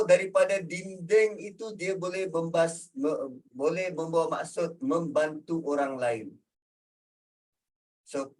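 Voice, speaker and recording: Slow-speaking Malaysian religious teacher. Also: male voice, fairly high pitch. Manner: explains word meanings with everyday examples, acts out intonations. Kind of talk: religious lecture, conversational.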